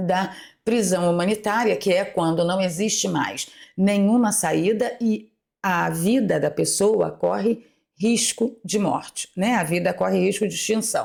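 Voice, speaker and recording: A woman speaks with vocal fry at a fairly slow pace, her loudness very even. The recording is very clean, with a silent background. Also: medium pitch for a woman, ordinary pitch variation. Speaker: political commentator. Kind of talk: political commentary monologue. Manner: animated.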